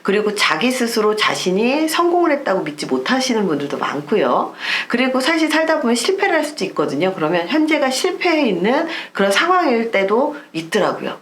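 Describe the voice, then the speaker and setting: Lively Korean woman lecturing on psychology. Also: fairly high pitch, fairly quick, hardly any pauses, a little hiss or hum. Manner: explanatory, emphatic, asks rhetorical questions. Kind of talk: recorded lecture to camera.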